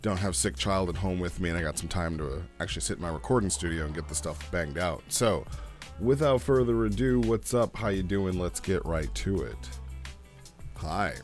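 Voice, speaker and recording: Male review host, deep register, chatty and opinionated, faint music underneath. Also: moderate pace. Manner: conversational, opinionated. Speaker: host reviewing roleplay logs. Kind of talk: casual review commentary. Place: home recording studio.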